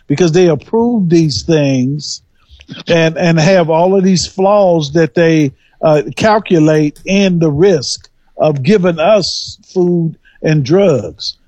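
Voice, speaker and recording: A man calling in to a radio talk show, speaking in a halting way and repeating words as he complains. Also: fairly high pitch, a little mellow, no room sound. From United States. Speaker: caller. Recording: dull, dry phone line.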